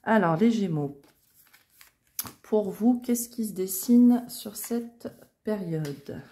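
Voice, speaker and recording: A woman's voice: medium pitch, expressive, takes it slowly. A woman hosting a casual tarot reading, talking to her viewers in a chatty way with many small fillers. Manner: chatty, many fillers like euh and hein, soft asides. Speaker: tarot reader, channel host.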